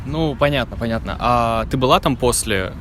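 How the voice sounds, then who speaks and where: A man's voice: mid-range voice, normal speed. Curious male host over traffic noise. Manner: curious questioning, frequent murmured backchannels. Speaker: podcast host. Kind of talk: casual interview.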